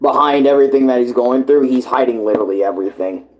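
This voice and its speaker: A man's voice: mid-range voice, fast, slight background noise, low-quality recording. A man doing casual live reaction commentary as a streamer, talking in slang and swearing. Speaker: livestreamer reacting to a comic dub series.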